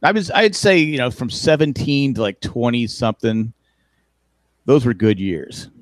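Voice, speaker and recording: A medium-pitched man in his fifties talks at a moderate pace as co-host of a casual chat, with no echo. He rambles, corrects himself, and is wry about growing older.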